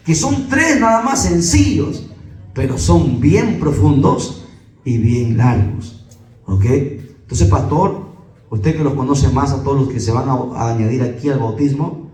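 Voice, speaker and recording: A pastor with a Peruvian Spanish accent, preaching emphatically to a congregation and firing off rhetorical questions. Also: male voice, on the high side, a little mellow, echoey room, recorded from a distance, poor audio.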